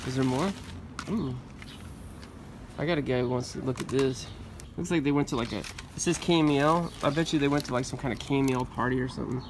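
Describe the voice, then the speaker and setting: Man, 40s, casual reseller host, curious and talkative, outdoor phone-camera sound with steady traffic noise. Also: mid-range voice, fast. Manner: chatty, curious, appraising finds aloud. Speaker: storage locker reseller, channel host. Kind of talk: casual unboxing chat. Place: outdoors on a sunny trailer by storage units.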